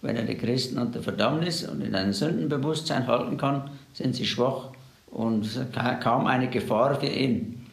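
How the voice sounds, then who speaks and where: A man's voice: mid-range voice, normal speed, vocal fry, reverberant. A man preaching a sermon, earnestly addressing the listener directly.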